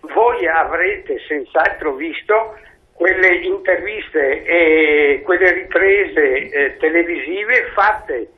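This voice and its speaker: A man calling in to a talk show over the phone, speaking slowly and earnestly. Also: a little high. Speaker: caller. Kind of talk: call-in comment on radio talk show. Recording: tinny phone line.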